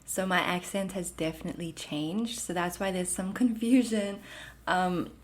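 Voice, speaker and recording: A woman in her thirties talks with a South African lilt softened by Canadian vowels. Her voice sits a little low for a woman. She chats gently and reassuringly on her own podcast, with plenty of casual fillers. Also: fairly even intonation, normal speed. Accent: South African mixed with Canadian. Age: 30s. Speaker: podcast host. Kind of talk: casual solo podcast talk.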